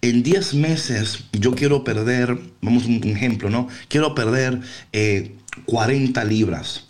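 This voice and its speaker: A man's voice: mid-range voice, takes it slowly. A man hosting a casual motivational talk, explaining things with rhetorical check-in questions and slipping English words and phrases into his Spanish. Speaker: talk show host.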